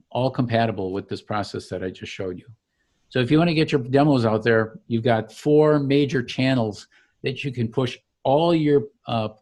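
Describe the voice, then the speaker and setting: A man giving an informal software demo as a company founder, explaining each click like a salesman. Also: medium pitch. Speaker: company founder demonstrating his product.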